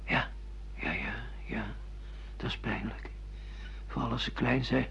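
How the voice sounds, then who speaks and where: A man's voice: medium pitch, fairly even intonation, a little slow, creaky, a bit bright, a little hiss or hum. A man acting a bewildered, sardonic middle-aged amnesiac husband in a Dutch radio play, with theatrical, ironic delivery. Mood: polite, bewildered. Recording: muffled lo-fi radio play recording.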